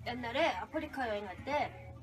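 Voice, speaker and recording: High-voiced Korean woman, playful podcast co-host. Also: animated, normal speed. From South Korea. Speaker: co-host and learner. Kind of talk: casual podcast chat.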